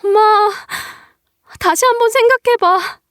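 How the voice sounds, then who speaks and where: A woman's voice: extremely high pitch, a little slow, a bit bright, no room sound, clean studio sound, voice pushed up. A woman voicing a desperate young adult daughter who pleads tearfully with her mother. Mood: pleading.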